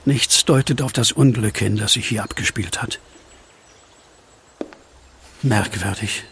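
An actor playing a troubled, grieving widower in a horror radio play, brooding and heavy-hearted. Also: male voice, fairly low pitch, slow pace, creaky, fairly bright tone, a little hiss or hum, exaggerated voice. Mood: hesitant, mournful. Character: troubled, grieving widower just released from asylum. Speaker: lead actor and first-person narrator. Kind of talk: German horror audio drama acting.

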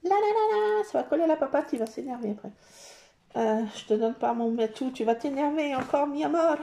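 A high-voiced woman chats away over a craft project, cooing and baby-talking to her cats and playfully grumbling at herself. The recording sounds echoey, like a bare room at home. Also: fairly quick, dark tone, a little hiss or hum. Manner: playful, bickers with herself in a mock-annoyed voice. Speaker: crafting vlogger. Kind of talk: casual chat while making a collage.

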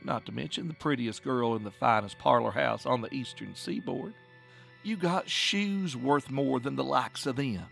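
A man voicing a protective woman in a story, speaking with calm, measured, tender reassurance. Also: mid-range voice, gravelly, soft background music. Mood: encouraging, teasing. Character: protective, steady Southern woman, tender soothing witch.

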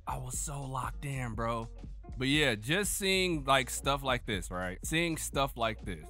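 Animated man, slangy reaction streamer. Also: mid-range voice, takes it slowly, faint music behind. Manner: slangy, swearing, repeats phrases emphatically. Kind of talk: casual excited reaction commentary.

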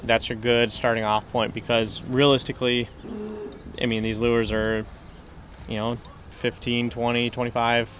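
Young male guide, mid-pitched, casual outdoor interview on a boat, faint background noise. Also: completely flat delivery, a little slow, fairly bright tone. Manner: explanatory, many fillers and restarts. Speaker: fishing guide. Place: fishing boat on a lake, outdoors.

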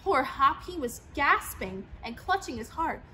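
A young woman reading a rhyming picture book aloud with an expressive, sing-song delivery, seated in an old plane in a large museum hangar. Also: high-pitched, unhurried, a little hiss or hum, rough recording. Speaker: storyteller.

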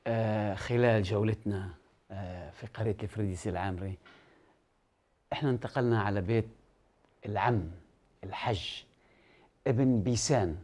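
A man's voice: on the low side, mellow, slightly rough. A middle-aged man who hosts and interviews in a friendly, talkative way. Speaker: host and interviewer. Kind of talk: documentary interview and narration.

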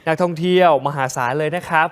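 Co-hosting a morning news show, a man narrates travel footage and jokes with his co-host in casual live TV banter. His voice is fairly high and fairly bright, with a level tone and a fast delivery.

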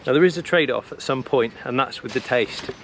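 A man's voice: medium pitch, fairly quick, slight background noise. Chatty man teaching bushcraft outdoors. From England. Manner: upbeat, chatty, practical. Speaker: bushcraft instructor. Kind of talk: outdoor how-to demonstration. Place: woodland camp and wooden cabin.

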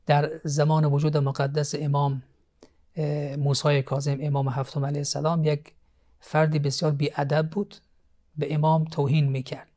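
A male cleric on a TV studio program, calmly telling moral stories and teaching with frequent hesitation fillers. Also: a little high. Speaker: cleric, guest expert. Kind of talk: storytelling religious teaching on TV.

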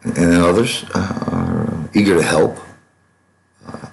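A middle-aged man teaching design software over a screen share, wandering off topic, repeating phrases and restarting sentences, recorded on a webcam at a home desk. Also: deep voice, slow pace, vocal fry, slight background noise, low-quality recording. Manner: digressive, repeats phrases, many restarts and fillers. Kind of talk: rambling screen-share tutorial aside.

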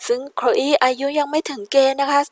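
Gentle woman host narrating a playthrough for kids, polite and high-pitched. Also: flat delivery, fast talker, no echo. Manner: gentle, polite, addresses young viewers. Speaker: let's-play host.

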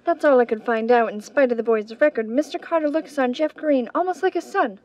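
A woman's voice: high-pitched, brisk, darkish tone, close to an everyday voice. A woman playing an inquisitive society sweetheart who frets over her hero, in a 1930s-style radio drama. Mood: concerned, pleading.

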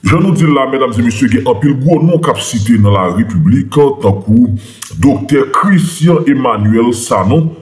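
A man's voice: mid-range voice, lively intonation, normal speed, a little mellow. A man hosting an online news channel, rallying viewers and introducing a segment with lots of fillers. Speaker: channel host.

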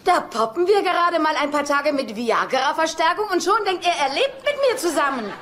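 An actress in a German sitcom dub playing a sharp-tongued older mother who complains dramatically and indignantly. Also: sits high, expressive, normal speed. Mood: exasperated. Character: exasperated, sharp-tongued mother of grown sons. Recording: noisy TV soundtrack with ambience.

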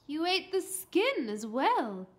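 A woman acts out a doting storybook mum who is eager to please. Her voice is high and bright, lilting up and down in animated, coaxing exclamations. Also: measured pace, full character voice. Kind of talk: children's storybook character voice.

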